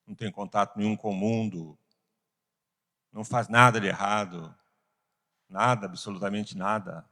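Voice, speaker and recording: A man with a Brazilian Portuguese accent teaching a Bible class, earnest, asking rhetorical questions and pausing for emphasis. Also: on the low side, steady tone, pushed and bright. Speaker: Sunday school teacher.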